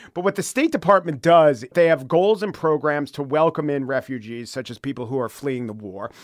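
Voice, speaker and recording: On a very clean recording with a silent background, a man with a slight New York accent speaks fairly quickly with hardly any pauses, at a fairly high pitch with lively intonation and big swings in loudness. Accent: New York, slight gruff. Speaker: podcast host and journalist. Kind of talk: casual chat, game show banter. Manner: gruff, everyday-guy demeanor.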